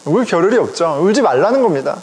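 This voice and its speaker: A middle-aged man, a pastor, preaching a sermon in a conversational, animated way, speaking directly to his congregation. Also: sits high, fast talker. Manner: conversational, animated, chuckles often, addresses congregation. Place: church sanctuary. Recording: long reverb of a church hall.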